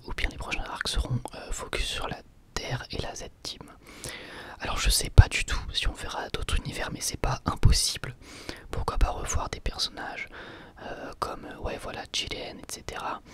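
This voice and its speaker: A man whispering softly in an ASMR question-and-answer video, pausing often on hesitant fillers. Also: mid-range voice. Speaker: ASMR channel host.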